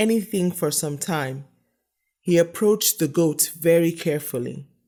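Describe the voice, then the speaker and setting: Recorded very cleanly with a silent background, a woman speaks at a moderate pace in a fairly low pitch with a dark, mellow tone. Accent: Nigerian. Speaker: storyteller. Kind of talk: folktale reading.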